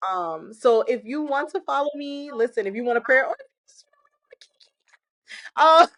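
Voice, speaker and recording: A woman guest giving an animated, emphatic faith testimony, exhorting listeners and laughing often. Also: sits high, unhurried, no echo. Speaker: podcast guest. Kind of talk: casual testimony-style faith talk.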